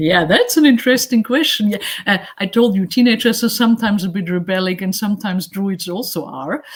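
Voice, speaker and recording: Amid noticeable background noise, a woman talks at a very fast pace. Her pitch is medium with ordinary variation. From Germany, Bavaria (Nuremberg). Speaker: member of a druid order. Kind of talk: interview conversation. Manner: halting, with frequent repetitions.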